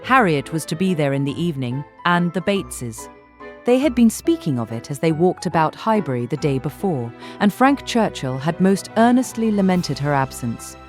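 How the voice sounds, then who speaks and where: A woman reading a literary audiobook as narrator, measured and articulate. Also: sits low, sing-song, soft background music.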